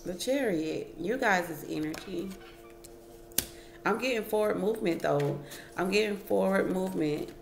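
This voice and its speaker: A woman's voice: mid-range voice, unhurried, vocal fry, reverberant. A woman giving a casual tarot reading at home, chatting to her viewers and musing over each card aloud. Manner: chatty, addresses viewers as y'all, muses over cards aloud. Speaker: tarot reader. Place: home, at a wooden table.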